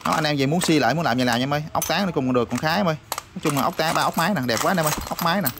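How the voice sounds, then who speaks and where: A man showing off used motorbike parts in a rapid, repetitive sales patter full of fillers. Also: a little high, gravelly. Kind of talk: casual product showcase sales patter. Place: parts shop or workshop. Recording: noisy backdrop with passing vehicles.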